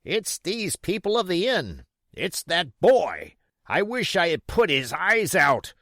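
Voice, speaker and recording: A man voicing a blind pirate villain in an audiobook, furious and domineering, shouting orders and curses. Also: high-pitched, sing-song, slow, dry recording, studio quality, pitched above the performer's own voice, heavily acted. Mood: vengeful rage. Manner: shouting, cursing, barking orders. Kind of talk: audiobook character voice.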